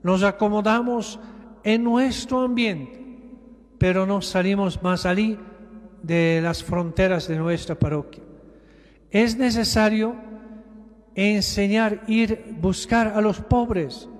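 A bishop with a notably high voice delivers an emphatic sermon, taking his time and leaning on repeated phrases. His words ring out with a long echo through a large church. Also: steady tone. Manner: slow, emphatic preaching with repetitions.

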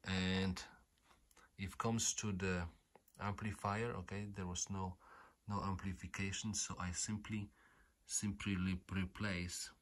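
A man who is not a native English speaker, giving an unscripted hands-on repair explanation in a halting, repetitive way, often saying okay. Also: deep voice, little pitch movement. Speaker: repair tutorial host. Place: indoors at home.

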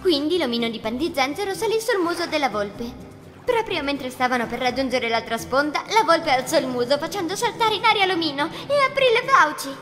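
Lady reading a fairy tale for kids, high pitched, echoey, music under it. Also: fairly bright tone. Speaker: storyteller. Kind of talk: scripted children's story narration. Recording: long reverb, music underneath.

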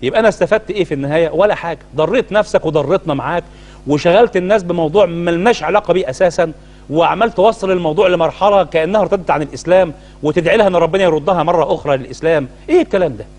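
A man's voice: fairly high pitch, very fast, a little mellow. A middle-aged man with an Egyptian accent, a Muslim cleric co-hosting a talk show, firing off indignant rhetorical questions. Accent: Egyptian Arabic. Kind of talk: heated studio talk-show commentary.

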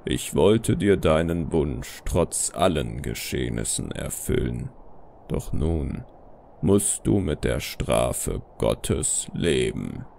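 Man putting on a very deep, slow, stern divine father. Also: very animated, gravelly, darkish tone, a little hiss or hum, exaggerated voice. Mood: grave judgment. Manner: slow, grave, solemn pronouncements. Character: stern divine father, a statue come to life. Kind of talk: horror audio story.

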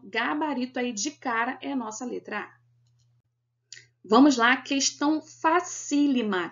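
Speaking Brazilian Portuguese, a woman teaches an exam-prep grammar lesson in a recorded video, explaining step by step in a didactic way and checking in with her students using "né?" and "beleza?". Her voice is fairly high and fairly bright, though the recording is muffled.

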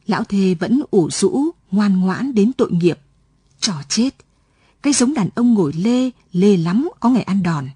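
A woman reading a story aloud in measured, scripted radio narration, recorded in a broadcast studio. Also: mid-range voice, dark tone, breathy edge, dry recording.

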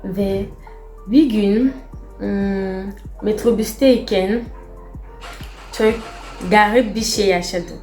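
A young woman with a Cameroonian accent tells stories casually to her viewers in a foreigner's broken Turkish. She searches for words as a non-native learner does. The room has a clear echo, with faint music behind her voice. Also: mid-range voice, takes it slowly, pauses often, darkish tone. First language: not Turkish, a foreign learner. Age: young adult. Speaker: vlogger.

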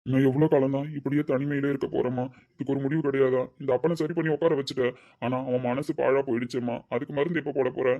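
A man's voice: medium pitch, steady tone, fast talker, natural voice. A man playing an older father weighed down by guilt over his daughter, talking in an earnest, heavy-hearted way. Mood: sorrowful. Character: grieving aging father, guilt-ridden and tender. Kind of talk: amateur family drama acting. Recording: dull lo-fi sound.

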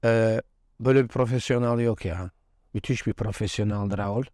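A man's voice: fairly low pitch, fairly even intonation, brisk, a little mellow, no room sound, clean studio sound. A former footballer in his forties, a man, telling stories in a casual interview and laughing often. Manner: chatty anecdotes with frequent laughs.

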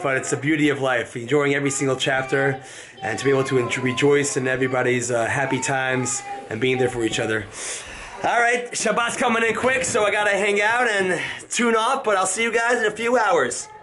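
A man in his thirties chatting casually to his handheld camera in a playful, excitable vlog style. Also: fairly high pitch, normal speed, noisy background. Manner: excitable, playful, breaks into whoops. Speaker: vlogger. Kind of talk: casual upbeat vlog chat. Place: car and house interiors, some outdoors. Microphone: handheld camera at arm's length. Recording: music over camera vlog audio. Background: loud music.

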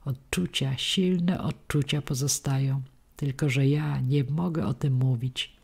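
A woman's voice: very deep voice, steady tone, a little slow, creaky, darkish tone, breathy edge, full character voice. Woman reading a restrained, firm wounded woman. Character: reserved wounded middle-aged woman, quietly firm. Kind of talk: audiobook character reading.

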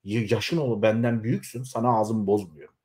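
A man in his forties delivering a heated political rant straight to his viewers, scolding and shaking with anger, his voice swinging up into shouts. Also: on the low side, brisk. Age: 40s. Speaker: YouTuber. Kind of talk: angry political rant to camera.

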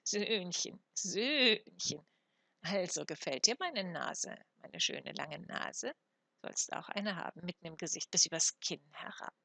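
A woman reading aloud, voicing a spiteful ugly old crone with a croaking, hoarse voice and a muttering, sneering manner. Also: on the low side, lively intonation, unhurried, pushed and bright, dry recording, exaggerated voice. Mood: mocking.

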